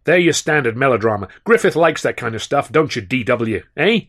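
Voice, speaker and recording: A man's voice: medium pitch, animated, fairly bright tone. A man voicing a brash, boastful big male film producer who talks in a slangy, blustering way. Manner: blustering, fast-talking, slangy.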